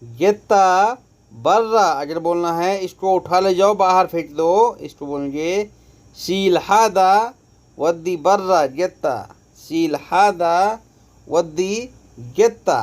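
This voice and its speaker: A man with an Indian accent teaching phrases slowly, repeating each word with stress. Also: high-pitched. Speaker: language teacher. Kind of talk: slow phrase-by-phrase lesson.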